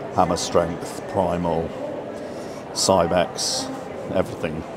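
Loud background noise fills the recording. Over it, a man speaks. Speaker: gym enthusiast vlogger. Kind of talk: casual vlog chat. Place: station.

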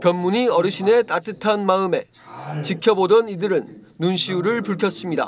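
A high-pitched man at a moderate pace, fairly even in intonation, with noticeable background noise. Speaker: news reporter. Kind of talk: TV news report narration.

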